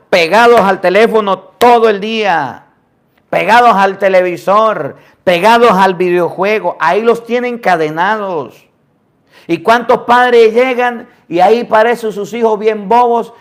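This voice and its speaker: Emphatic priest preaching. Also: male voice, high-pitched, fairly bright tone. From Venezuela. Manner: emphatic preaching with rhetorical questions and sudden drops to near-whispers. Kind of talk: sermon.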